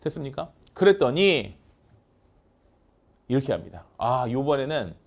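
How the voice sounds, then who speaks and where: Acting out small skits and repeatedly chanting lists of words, a man teaches English vocabulary in an energetic lecture. He speaks unhurriedly in a gravelly, medium-pitched voice.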